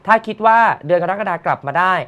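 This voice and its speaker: A man's voice: high voice, fast talker, clear, resonant tone. A man hosting an entertainment gossip show, chatting casually in a playful, joking way. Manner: animated, joking, playful banter. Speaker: entertainment news host.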